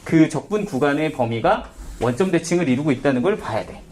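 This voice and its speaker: A man's voice: on the high side, lively intonation, a little fast, darkish tone, slight background noise. A man teaching a math lesson in a casual, questioning way, often asking and answering himself. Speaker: math tutor. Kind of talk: whiteboard math lecture.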